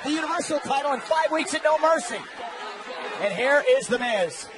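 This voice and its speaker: A man doing excited live wrestling commentary as play-by-play caller, exclaiming and calling the action in short bursts. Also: very high-pitched, moderate pace. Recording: loud arena crowd and noise behind. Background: roaring arena crowd.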